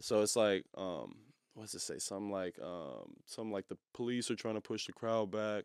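A man talks in an unremarkable speaking voice at a fairly low pitch and fairly slow pace. His pitch variation is ordinary, and the sound is dry and close with no echo. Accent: American. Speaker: rapper. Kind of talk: casual chat.

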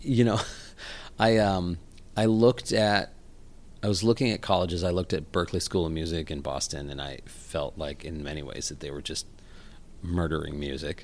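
Lively intonation in a General American accent at a moderate pace, with long, frequent pauses, on a very clean recording with a silent background. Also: man. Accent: general American, non-regional. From Houston, Texas. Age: 40s. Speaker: songwriter and artist. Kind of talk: casual interview chat.

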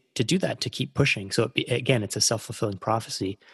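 A man's somewhat breathy voice at medium pitch and a very fast pace, with ordinary pitch variation and a dry, close sound with no echo. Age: 40s. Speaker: author and former competitive distance runner. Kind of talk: interview. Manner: halting, with repeated words.

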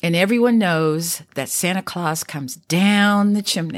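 An unremarkable speaking voice with ordinary pitch variation comes through on a very clean recording with a silent background. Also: woman. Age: 60s. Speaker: podcast host, Air Force veteran. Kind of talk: solo monologue podcast. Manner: conversational, warm.

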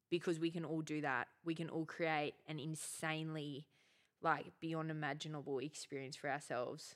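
In a very clean recording with a silent background, a woman with an Australian accent speaks at a moderate pace in a very deep, low voice with monotone, flat intonation. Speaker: construction tradeswoman. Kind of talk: casual interview.

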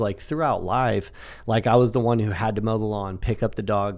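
Fairly quick and fairly even in intonation, this voice has a dark, mellow tone and an American accent. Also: man. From San Francisco Bay Area, California. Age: 30s. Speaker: realtor. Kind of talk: interview, personal life story. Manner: halting, many fillers.

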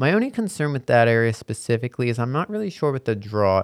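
Lively intonation and a fairly quick pace mark a plain, everyday voice with an American accent. The recording is very clean, with a silent background. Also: man. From New Jersey, Monmouth County shore. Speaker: real estate agent. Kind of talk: casual interview.

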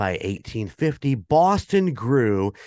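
A man speaks with lively intonation. The sound is dry and close with no echo, and the background is quiet. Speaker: podcast host. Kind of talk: casual chat podcast. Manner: loud.

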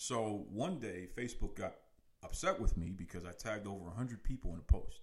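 A man talks with a fairly low pitch and ordinary pitch variation. His animated tone is somewhat breathy. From Boston, Massachusetts. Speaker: podcaster and political consultant. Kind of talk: casual interview chat. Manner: animated, showman-like.

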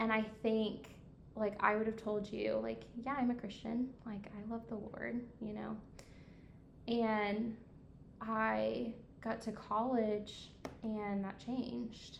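With an American accent, the speaker talks at a very slow pace in monotone, flat intonation. Long, frequent pauses and audible room echo run through the clip. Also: woman, fairly high pitch for a woman. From US Midwest, central Indiana. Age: 20s. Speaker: mission organization worker. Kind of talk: casual chat.

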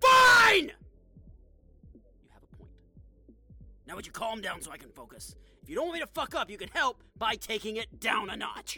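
Music plays in the background as the speaker goes at a moderate pace, stopping often for long pauses. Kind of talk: comic audio drama. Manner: nervous, exasperated, snappish.

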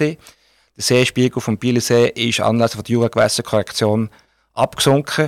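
Here a man speaks at a medium pitch and a fairly quick pace, with fairly even intonation. The sound is dry and close with no echo, on a very clean recording with a silent background. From Switzerland, Biel area. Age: 50s. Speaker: football club president. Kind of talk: radio interview. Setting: radio studio. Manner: hesitant, many fillers.

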